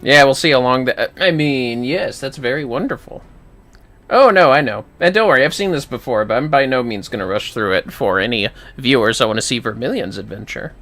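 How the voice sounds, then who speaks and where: A man's voice: mid-range voice, animated, a little fast, fairly bright tone. A man giving casual livestream commentary on a game, chatting in informal asides with some swearing.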